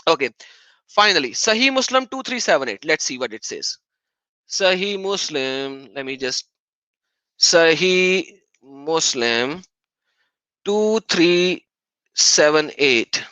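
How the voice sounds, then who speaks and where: Insistent, sharp-voiced male streamer. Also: a little high, big pitch swings, slow, long pauses, no echo, low-quality recording. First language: Urdu. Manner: combative, repeats his point insistently. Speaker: livestream host reading viewer donations. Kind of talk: heated livestream debate.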